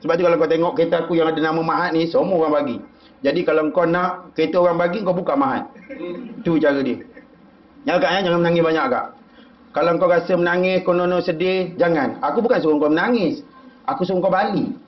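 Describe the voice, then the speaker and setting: A man with a Malaysian accent, a preacher telling a moving story in an animated, emotional sermon. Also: fairly high pitch, fast. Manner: animated, voice rising with feeling. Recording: dull lo-fi sound.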